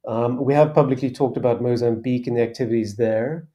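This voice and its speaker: A man speaking as a guest on a panel, explaining his company's work in a relaxed way, pausing often with fillers and restarts. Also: medium pitch. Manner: relaxed, hesitant with many fillers. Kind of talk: casual panel discussion.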